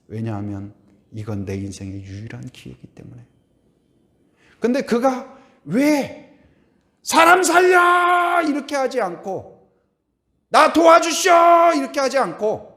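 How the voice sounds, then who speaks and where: A middle-aged man preaching a Sunday sermon as pastor, asking the congregation questions and now and then humming or singing a hymn line. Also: mid-range voice. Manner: animated, asks the congregation questions, hums and sings hymn lines.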